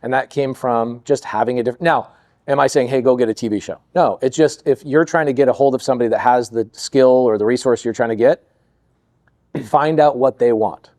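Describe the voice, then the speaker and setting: A man telling stories as a guest on a podcast, lively and acting out quoted lines in other voices. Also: mid-range voice, brisk, no room sound, studio quality. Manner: animated storyteller, acts out quoted voices. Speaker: podcast guest, real estate investor. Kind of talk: storytelling interview chat.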